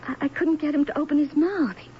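A woman's voice: high voice, fast talker, natural voice. A woman playing an anxious, loyal wife and daughter in a radio drama, earnest and hesitant. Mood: fearful, insistent. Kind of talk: 1970s radio drama acting. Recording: muffled, lightly hissy 1970s radio recording.

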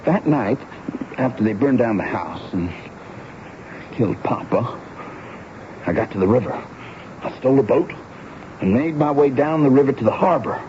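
A man's voice: mid-range voice, lively intonation, warm tone, close to an everyday voice. A man playing an earnest teenage runaway, old radio. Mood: sorrowful. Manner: emotional, imploring, halting. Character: earnest, pleading teenage boy, homeless Southern runaway. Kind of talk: 1970s radio drama acting. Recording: dull, noisy vintage radio broadcast.

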